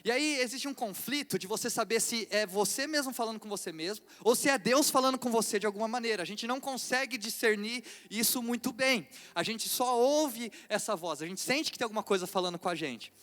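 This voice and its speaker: A man's voice: extremely high pitch, brisk, hardly any pauses, a bit bright. A man with a Brazilian Portuguese accent, a lead pastor preaching a sermon in a conversational way, often turning rhetorical questions to the congregation. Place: theater hall. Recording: long reverb of a theater hall.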